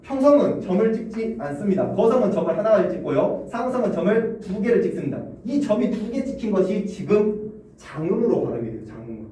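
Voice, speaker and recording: A man's voice: high voice, sing-song, brisk, mellow. A male Korean language teacher giving a classroom lecture, asking students questions and chuckling often. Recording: roomy classroom echo, distant mic, faint hum.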